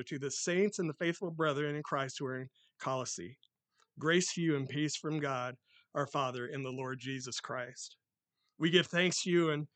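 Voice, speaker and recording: A man preaching on a microphone, with a loud voice that carries and a slightly high pitch. He gets more and more excited as he reads scripture aloud. The sound is dry and close, with little room echo. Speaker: lay preacher. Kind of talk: sermon with scripture reading. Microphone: handheld or stand mic.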